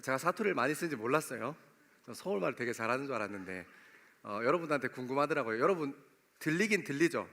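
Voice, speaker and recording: A man's voice: medium pitch, lively intonation, fast, fairly bright tone. A young male pastor with a regional Korean dialect, preaching a sermon in a conversational way to a youth congregation. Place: church sanctuary. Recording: long hall reverb.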